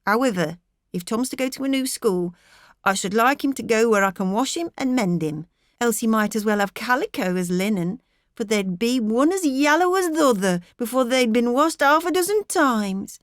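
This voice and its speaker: A woman's voice: fairly high pitch, expressive, normal speed, no room sound, clean studio sound, pitched above the performer's own voice, lightly acted. A woman voicing a fretful middle-aged country wife with a rural English accent, rambling on earnestly and plaintively in an audiobook. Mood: plaintive, fussing.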